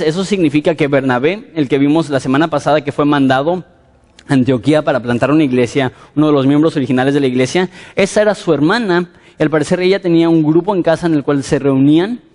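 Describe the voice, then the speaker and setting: Preacher guy, kinda high voice, tells the story in a lively way, echoey church. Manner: lively storytelling, asks the listeners questions. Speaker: pastor. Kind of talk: sermon. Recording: echoey hall.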